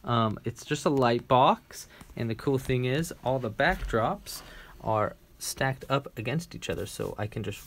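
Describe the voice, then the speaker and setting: Man, unscripted casual chat, hesitant, slow pace, faint noise behind. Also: mid-range voice, fairly bright tone. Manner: hesitant, informal. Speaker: puppeteer showing behind the scenes.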